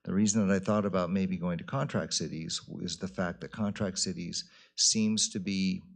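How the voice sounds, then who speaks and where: Male mayor at a council meeting: very deep, gravelly delivery, plain-spoken and deliberate. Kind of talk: informal public meeting remarks.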